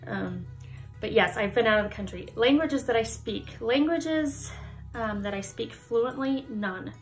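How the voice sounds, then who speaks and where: A woman's voice: fairly high pitch, unhurried, faint music behind. Chatty young woman vlogging at home. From United States. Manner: chatty, laughs often, animated hand gestures. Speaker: YouTuber. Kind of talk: casual chat to camera. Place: Halloween-decorated room indoors.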